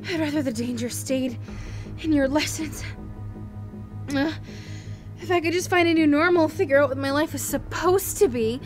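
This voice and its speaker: A woman acts a determined young student in a science fiction audio drama. Her high voice is dry, guarded and weary, with music underneath. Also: moderate pace, pauses often, lightly acted.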